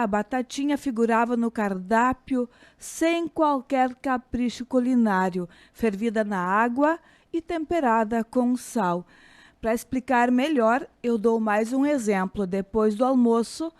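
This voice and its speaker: A woman with a Brazilian accent giving a calm, reflective scripted radio commentary, slowing down on key phrases. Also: a little high. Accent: Brazilian Portuguese.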